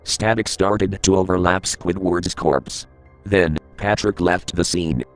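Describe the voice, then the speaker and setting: A man narrating a creepypasta horror story in a steady, grave reading voice. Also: low voice, slow, faint music behind.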